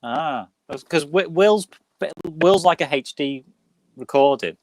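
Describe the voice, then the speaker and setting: A man's voice: on the high side, lively intonation, slow pace, a little mellow, no echo. A man hosting a casual live-stream film chat over a video call, full of playful banter. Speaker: host.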